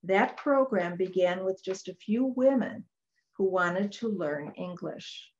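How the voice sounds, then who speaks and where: An older Catholic sister from Chicago reading prepared remarks in a calm, measured way on a video call from a small office. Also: female voice, medium pitch, lo-fi sound. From Chicago, Illinois. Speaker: Catholic sister, literacy center founder. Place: small home office with bookshelves. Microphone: webcam on a video call.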